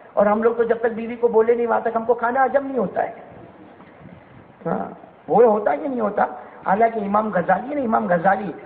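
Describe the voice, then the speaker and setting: A male preacher telling a story in a sermon, asking the crowd rhetorical questions. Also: high voice. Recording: tinny echoey hall recording.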